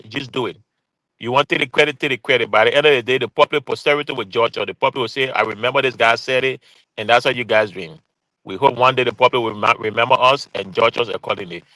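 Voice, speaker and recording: A man in his forties talks quickly with a bright, forceful edge. He calls in from work as a show guest, pressing his points and repeating key phrases. The sound is dry and close. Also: medium pitch, no echo, rough recording. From Liberia. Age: 40s. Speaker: guest commentator. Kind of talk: earnest call-in commentary. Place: calling in remotely from his workplace.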